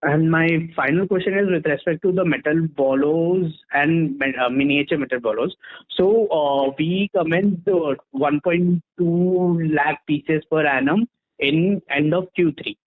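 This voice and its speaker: A man with an Indian accent asking questions as an analyst on an earnings call, polite and somewhat halting. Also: fairly high pitch. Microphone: phone. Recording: tinny narrow-band phone line.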